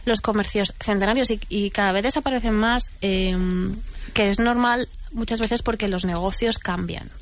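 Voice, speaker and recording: A woman author answering interview questions in a deliberate, explanatory way, with drawn-out fillers. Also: mid-range voice. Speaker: author and guest.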